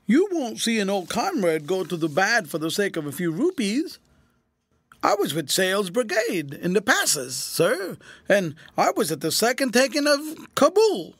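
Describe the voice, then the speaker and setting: A man voicing a rough, blunt old ex-soldier turned beggar who whines and wheedles. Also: high-pitched, huge pitch swings, unhurried, fairly bright tone, dry recording, voice pushed up, heavily acted. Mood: whining. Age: older. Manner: rough, blunt talk turning to whining begging.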